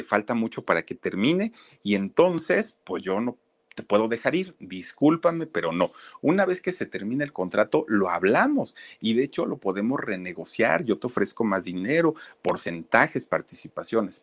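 A man's voice: fairly low pitch, dry recording. A man voicing a shrewd, stubborn middle-aged male bandleader who refuses to let his singer go. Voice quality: pleading then stubborn, rambling with fillers.

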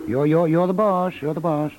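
A man's voice: fairly high pitch, fairly even intonation, normal speed, a little mellow, natural voice, low-quality recording. A man playing a flustered, placating decorating contractor who stammers and agrees, in a 1950s radio comedy. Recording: vintage 1950s radio recording.

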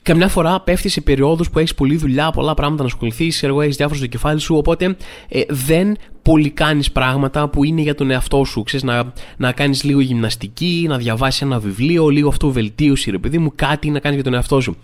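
Rambling, chatty podcast host, a man. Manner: chatty, rambling, full of fillers and restarts; acts out quoted people with sudden pitch jumps. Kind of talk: casual comedic monologue podcast.

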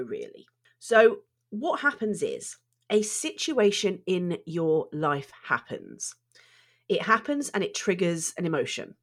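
A middle-aged woman psychotherapist hosting her own podcast, her voice congested and stuffy from allergies, talking earnestly and doubling words for emphasis. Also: deep voice. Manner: earnest, emphatic word repeats. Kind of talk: solo podcast monologue.

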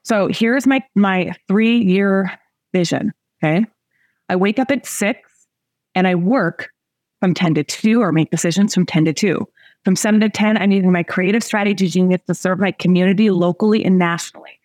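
A woman's voice: mid-range voice, moderate pace, darkish tone, no room sound, clean studio sound. A woman in her forties giving a motivational coaching talk to a group, chatty and emphatic, laughing often and speaking straight to her listeners. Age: 40s. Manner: chatty, laughing, emphatic, addresses audience directly. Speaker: coach and host.

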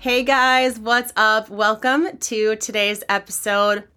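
Raspy-voiced woman, sick and hoarse. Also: a little high, steady tone, slow pace, pushed and bright, soft background music. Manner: candid, rambling, frequent fillers. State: hoarse from illness. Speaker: podcast host and personal trainer. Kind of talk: casual solo podcast talk.

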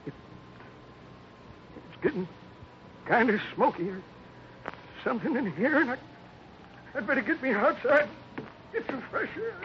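A high-pitched old man of the West, grieving and halting as he speaks. The style is emotional radio drama of the 1950s, on a dull recording with faint hiss. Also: sing-song, heavily acted. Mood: remorseful, choked. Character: bitter, grieving old Western father, humbled and halting.

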